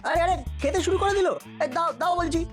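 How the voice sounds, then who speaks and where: A woman voicing an excitable, food-loving ten-year-old boy in a comedy cartoon, dramatic and playful. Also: very high voice, fast talker, soft background music. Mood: indignant. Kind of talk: animated comedy cartoon acting.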